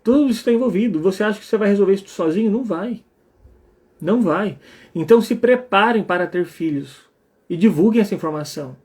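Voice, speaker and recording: A Brazilian psychologist gives a live talk, his voice sitting high for a man. He speaks emphatically and bluntly. He keeps checking in with his listeners as he goes. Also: expressive, fast, a little mellow. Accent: Brazilian Portuguese. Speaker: psychologist and couples therapist.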